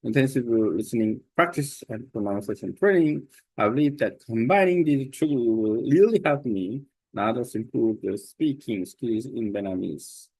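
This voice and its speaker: Korean-accented man, mid-range voice, reads his script aloud slowly and carefully, dry close sound. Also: medium pitch, animated, a little mellow, husky, dry recording, rough recording. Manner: careful, deliberate reading with small slips. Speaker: language learner sharing his study method. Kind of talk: reading a prepared text aloud.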